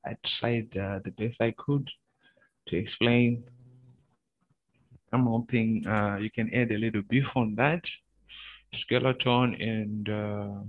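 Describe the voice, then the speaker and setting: This male university lecturer, lowish in pitch and steady in tone, delivers an online lecture while sharing his screen. His pace is slow and halting, full of pauses and fillers, and the screen-recorded call audio sounds narrow and phone-like.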